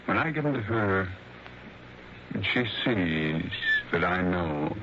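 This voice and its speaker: An actor playing an older blind husband in a 1960s radio drama, speaking slowly with resigned sadness. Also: male voice, sits low, animated, background noise. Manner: slow, resigned and sad. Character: older blind man, husband of a young wife. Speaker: Mister Porter. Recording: dull lo-fi vintage radio broadcast.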